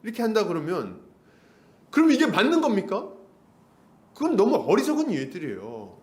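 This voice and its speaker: A pastor delivering an expository sermon, acting out quoted complaints in a raised voice. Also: male voice, high-pitched, huge pitch swings, moderate pace, a little mellow. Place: church sanctuary. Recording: echoey church hall.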